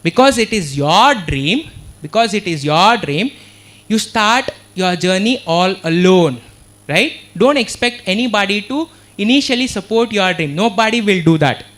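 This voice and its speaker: A man's voice: high-pitched, expressive, a little slow, fairly bright tone. A man with an Indian English accent, giving a motivational talk to students and keeping the room with him through constant questions back to the audience. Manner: earnest, keeps checking in with the audience. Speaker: motivational speaker. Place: university auditorium.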